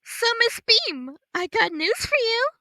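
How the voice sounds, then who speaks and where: A woman voicing a cheerful female AI assistant that speaks inside someone's head, bright and bubbly. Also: extremely high pitch, big pitch swings, slow, no echo, pitched above the performer's own voice, exaggerated voice.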